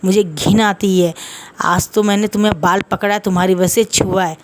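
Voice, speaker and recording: A woman's voice: mid-range voice, steady tone, normal speed, background noise, natural voice. A woman voicing a cruel, arrogant young husband who sneers and gives orders, in a fan fiction reading. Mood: contemptuous. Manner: sneering, commanding.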